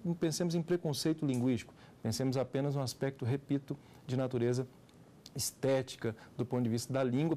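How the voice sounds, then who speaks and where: A man's voice: medium pitch, mellow. A middle-aged Brazilian man with a Brazilian Portuguese accent, a law professor giving a televised lecture and explaining with rhetorical questions.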